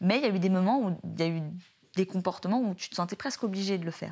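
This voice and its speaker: A woman rattles along at a very fast pace, her medium pitch showing ordinary variation. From France, Lyon. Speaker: fitness content creator. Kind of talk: casual interview chat. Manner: halting.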